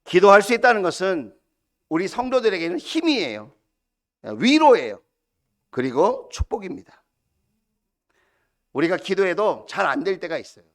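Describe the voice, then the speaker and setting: A male pastor preaching a sermon, animated, full of rhetorical questions and acted-out quotes. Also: sits high, moderate pace, pauses often. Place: church sanctuary.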